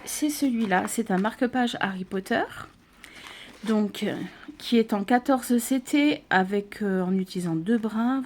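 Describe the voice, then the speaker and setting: A woman's voice: medium pitch, a little mellow. A woman from France narrating an unboxing of cross-stitch kits in a casual, hesitant way, with many fillers and restarts. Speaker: craft vlogger.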